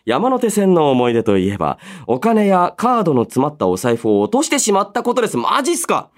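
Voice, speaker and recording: Animated man hosting a radio show. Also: a little high, a little fast. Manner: animated storytelling with sound-effect words and casual asides. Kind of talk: solo radio chat reading listener mail.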